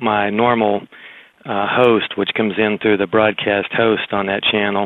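A man with an American accent speaks in a fairly low, monotone voice with flat intonation. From South Carolina. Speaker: caller. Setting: phone call.

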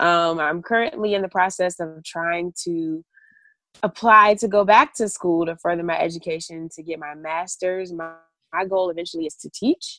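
A woman speaks at a moderate pace in a bright, sharp tone with fairly low pitch, fairly even intonation and big swings in loudness, and the sound is dry and close with no echo. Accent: American. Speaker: dental hygienist.

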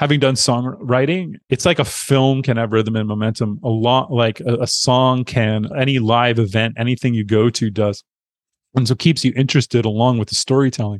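An ordinary speaking voice from a man, with ordinary pitch variation and a quiet background. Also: medium pitch for a man, moderate pace. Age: 50s. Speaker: herbalist and membership site owner. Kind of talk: casual interview.

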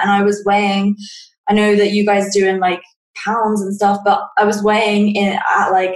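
With audible room echo, a woman talks at a moderate pace and a medium pitch.

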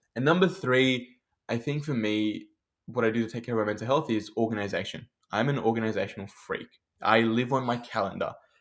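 With an Australian accent, a man talks at a fairly quick pace. His medium pitch shows ordinary variation. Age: 20s. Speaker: entrepreneur, company CEO. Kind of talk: interview.

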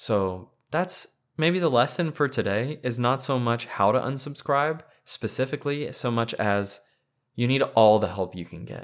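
A man's medium-pitched voice with lively intonation at a moderate pace, on a very clean recording with a silent background. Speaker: podcast host and self-help author. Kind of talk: casual unscripted monologue. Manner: conversational, flowing off the cuff.

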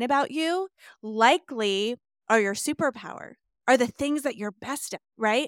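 Lively intonation at a moderate pace, with a dry, close sound, no echo, and a very clean recording over a silent background. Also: woman. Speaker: podcast co-host. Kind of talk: podcast interview conversation.

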